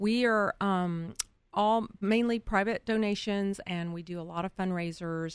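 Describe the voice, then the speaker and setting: On a very clean recording with a silent background, a woman with an American accent and a plain, everyday voice speaks at a fairly slow pace with medium pitch and fairly even intonation. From Houston, Texas (Greater East End). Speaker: nonprofit founder. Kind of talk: radio interview.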